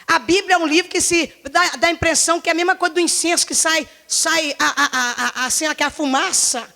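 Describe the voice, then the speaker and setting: Her pitch extremely high but her tone steady, a woman pastor in her forties preaches at a church service with a Brazilian Portuguese accent. She speaks a little fast in a pushed, bright, slightly hoarse voice, impassioned and repetitive, with many rhetorical questions.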